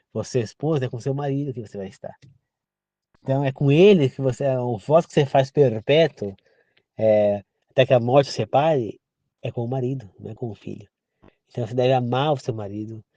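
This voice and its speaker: A man's voice: medium pitch, mellow, no echo. Earnest Brazilian-born man preaching. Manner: earnest, repetitive, addresses listener directly. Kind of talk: informal sermon. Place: rural home.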